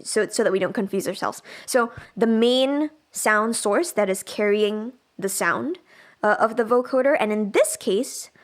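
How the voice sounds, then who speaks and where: Woman, music production trainer, medium pitch, informal and chatty, thinking aloud, livestream tutorial delivery. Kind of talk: casual livestream software tutorial.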